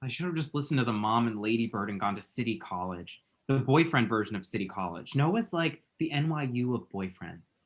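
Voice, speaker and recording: A man's voice: mid-range voice, animated, fairly quick, few pauses, natural voice. A man reading a dramatic, sarcastic young gay man. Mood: theatrical. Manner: sarcastic, theatrical delivery. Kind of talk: table read.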